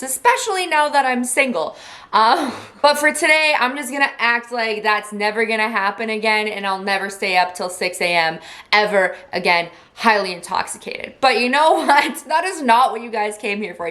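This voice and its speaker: A hungover young woman talks to her viewers in a casual vlog style. Her voice sits a bit high. She is playful and slangy, swearing freely. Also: sharp tone. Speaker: YouTube host. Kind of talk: casual chatty vlog intro.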